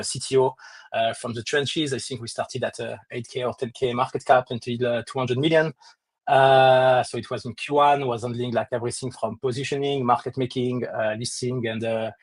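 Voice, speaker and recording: Man, strong French accent, hesitant with lots of uh, dry close mic, mid-pitched. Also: no echo. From France. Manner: hesitant, many "uh" fillers. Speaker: crypto project lead and guest. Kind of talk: casual online audio chat.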